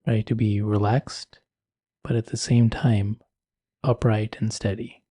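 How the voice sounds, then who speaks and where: A man leading a guided meditation in a soothing, measured and gentle manner. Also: lowish voice, little pitch movement, no room sound, clean studio sound.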